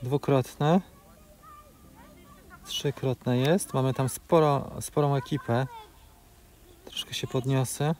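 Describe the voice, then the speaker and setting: A man's voice: mid-range voice, steady tone, slow pace, pauses often, a little mellow, a little hiss or hum. A man in his forties gives a practical, step-by-step tutorial commentary while flying a drone outdoors, with filler sounds between phrases. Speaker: drone video creator. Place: outdoors in open grassland.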